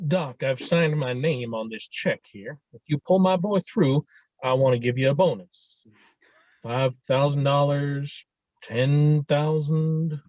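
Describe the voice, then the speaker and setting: A man's voice: fairly high pitch, slow pace, darkish tone, no room sound. Man as a desperate father, dry muffled audio. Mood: desperate, insistent. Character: forceful, desperate rich father of a sick boy. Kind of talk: virtual table read of a screenplay. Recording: dull, lo-fi online call audio.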